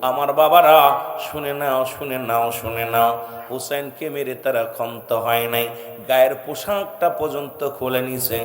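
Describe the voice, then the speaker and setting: A man preaching an impassioned sermon, shouting to the crowd and chanting devotional verses in a sung style. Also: medium pitch, normal speed, echoey room, big-room sound.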